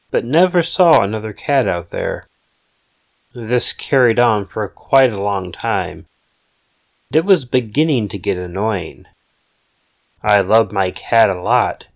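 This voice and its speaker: A man reading a scripted scary story as a narrator, with deliberate storytelling delivery. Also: lowish voice.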